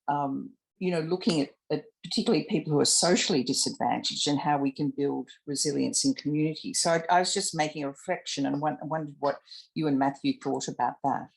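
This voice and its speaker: A woman's voice: deep voice, a little fast, vocal fry, rough recording. An Australian woman asking a reflective question on a video call, thinking aloud with fillers. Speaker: audience member asking a question. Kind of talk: online panel discussion.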